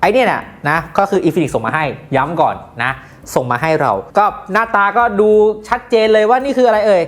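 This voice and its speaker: Low-voiced, lively woman tech reviewer. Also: fairly quick. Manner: playful and jokey, chatty asides to viewers. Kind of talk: casual product review.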